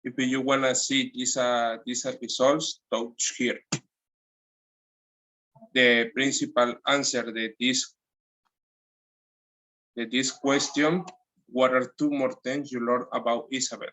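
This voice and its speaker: A man with a Mexican Spanish accent, teaching English from a textbook and reading the lines slowly with restarts. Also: medium pitch, flat delivery, bright, forceful tone, slight background noise, poor audio. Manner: reads slowly, with restarts and nonstandard grammar. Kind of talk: textbook lesson, repeating audio lines.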